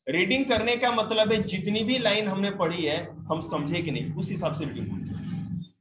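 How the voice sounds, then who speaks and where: A male teacher giving a spoken English lesson to a class, slowly explaining each example sentence in Hindi and English. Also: high-pitched, roomy sound, background noise.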